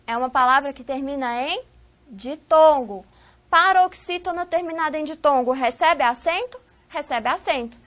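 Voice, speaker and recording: A woman's voice: high-pitched, a bit bright. A woman with a Brazilian Portuguese accent teaching a recorded video lesson, posing questions to the class and answering them herself. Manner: didactic, asks rhetorical questions and answers them.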